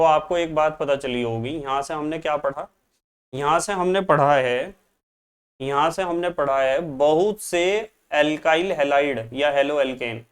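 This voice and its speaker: A man's voice: on the high side, smooth. A man teaching a chemistry lesson, patiently repeating each key term for his students. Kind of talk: classroom lecture.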